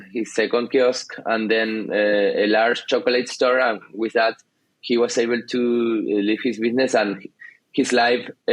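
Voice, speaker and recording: A man in his thirties from Argentina, speaking English with an Argentine Spanish accent, telling his story as a guest in a casual interview, pausing often with fillers and restarts. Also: mid-range voice, no echo, rough recording. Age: 30s. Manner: hesitant, many fillers and restarts. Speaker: guest entrepreneur.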